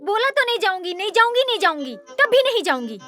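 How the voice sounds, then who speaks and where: A woman's voice: extremely high pitch, moderate pace, pushed and bright, soft background music. An actress dubbing a frightened young woman who frantically refuses a trial. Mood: panicked. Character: panicked young bride candidate refusing. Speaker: daughter. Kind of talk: dubbed film acting.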